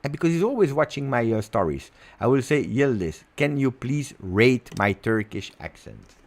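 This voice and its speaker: A man's voice: mid-range voice, very animated, normal speed. Playful man streaming. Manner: playful, keeps stopping himself, repeats words. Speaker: football channel host. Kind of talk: casual livestream chat.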